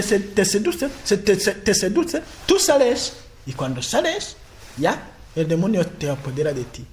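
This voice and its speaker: A man from Africa delivers a sermon in a high, light voice. He talks in halting bursts, repeating and restarting words. When he builds into chanted declarations, his pitch rises even further. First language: a language of his homeland. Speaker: preacher.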